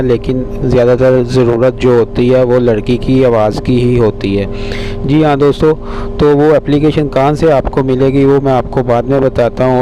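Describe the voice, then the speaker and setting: Flat-toned man over loud humming noise. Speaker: host of a tech tutorial channel. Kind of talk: casual how-to screen-recording narration. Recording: loud steady hum and rumble.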